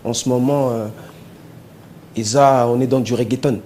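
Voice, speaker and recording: A male musician being interviewed, talking in a relaxed, hesitant way and slipping in Lingala words. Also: mid-range voice, normal speed, a little hiss or hum. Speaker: musician guest. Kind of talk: casual interview talk.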